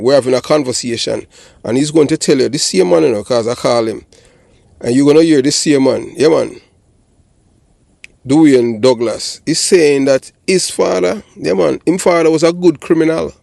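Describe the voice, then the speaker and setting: An older man with a Jamaican accent, a former police officer who now hosts a channel as a commentator, gives blunt, emphatic political commentary. His voice is medium-pitched, creaky and darkish, with no room sound, and he often checks that listeners are following.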